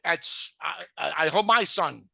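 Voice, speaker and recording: A man's voice: a little high, measured pace, vocal fry, bright, forceful tone. A man hosting a casual rewatch podcast, talking bluntly and joking with plenty of swearing. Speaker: podcast host.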